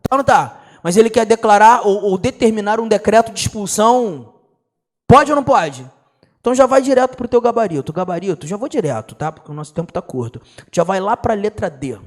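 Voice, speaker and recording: A young Brazilian man teaches an exam-prep law class with a high, lively voice. He talks in slang and keeps firing rhetorical questions at his students. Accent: Brazilian Portuguese.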